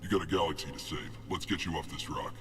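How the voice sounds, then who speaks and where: An actor playing a gruff male alien fighter in a video game, with a gravelly voice. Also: extremely low pitch, fast. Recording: echoey game audio with music.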